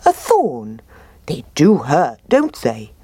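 A lazy, good-natured brown bear, as a woman narrator puts him on, slow and cheerful in the way he talks. The voice sits close and dry, with lively rises in pitch. He sounds easygoing and happy to help. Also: husky, no room sound, full character voice.

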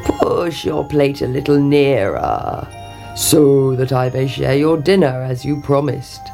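A pushy male frog croaks out his demands slowly and low, as a woman puts him on for a storybook reading. His drawl drops deep under the storyteller's own voice, with music playing underneath. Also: mellow, exaggerated voice. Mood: demanding. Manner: slow, drawn-out croaking demands.

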